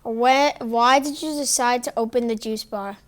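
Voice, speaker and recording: A woman's voice: on the high side, steady tone, moderate pace. A woman interviewing someone, asking her questions hesitantly with uhs and likes.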